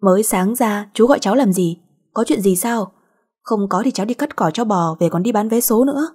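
A woman's voice: mid-range voice, darkish tone, husky, close to an everyday voice. A woman voicing a cheeky country girl of nearly eighteen who answers back with teasing retorts. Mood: sulky. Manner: sassy, quick retorts, teasing.

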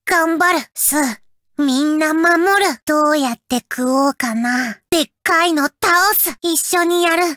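A small wild hunter girl for a game, eager and blunt, speaking in short clipped phrases and naming herself instead of saying "I". Her voice sits extremely high and sounds very bright, recorded dry and close. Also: unhurried, dry recording. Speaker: voice actor. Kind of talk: game voice clips.

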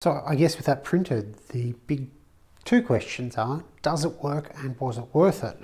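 Aussie guy in his 30s chatting thru a workshop build, practical and a bit wry, brick workshop, mid-pitched voice. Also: unhurried, darkish tone. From Australia. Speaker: woodworking channel host. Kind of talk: casual how-to vlog. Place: brick-walled home woodworking workshop, indoors.

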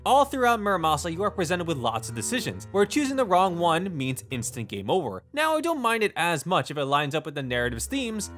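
A man's voice: on the high side, a bit bright. A man narrating a scripted video game review with dramatic, emphatic phrasing and wry, casual asides. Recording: voice-over with music behind. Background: background music.

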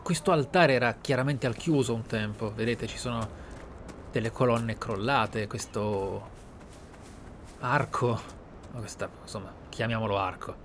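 With clear game noise behind him, a man from Italy narrates and comments on a roleplaying game. His voice sits at an average pitch. He sounds measured and musing as he goes. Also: a bit bright. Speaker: gameplay streamer. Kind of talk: reading game texts aloud and roleplay commentary.

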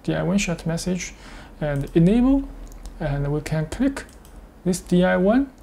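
A man demonstrates a product step by step in halting English. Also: high voice, sing-song, creaky, mellow. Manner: step-by-step, halting non-native English phrasing. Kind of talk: screen-share tutorial with live demonstration.

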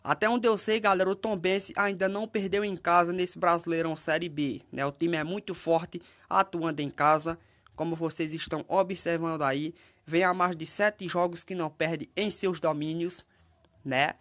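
A Brazilian-accented man talks through football betting picks in a relaxed voice-over. He walks through the odds in a steady, methodical way. He keeps tossing quick tag questions to his listeners. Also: on the high side. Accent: Brazilian Portuguese. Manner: ends phrases with tag questions to the audience. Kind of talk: casual voice-over over betting screens.

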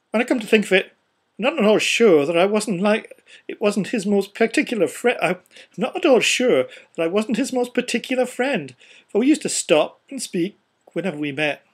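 A woman's voice: mid-range voice, animated, moderate pace, slightly rough, pitched above the performer's own voice. An older woman voicing a great fat, callous and jovial businessman in a storybook reading, blunt and offhand. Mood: callous joking.

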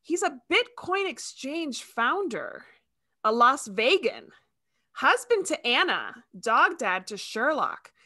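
A woman in her thirties from Ecuador, a native Spanish speaker with a slight accent, hosting a casual video-call chat in an upbeat, animated way. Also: high voice. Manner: bubbly, animated, laughs often. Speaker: host. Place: home studio with shelves.

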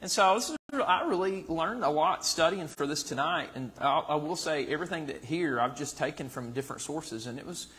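A man's voice: a little high, lively intonation, a little fast, few pauses, fairly bright tone, low-quality recording. A man in his thirties with a Southern US accent, teaching a church Bible study in a casual way with many fillers and restarts, recorded from the pews. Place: church sanctuary. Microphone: far camera in the pews.

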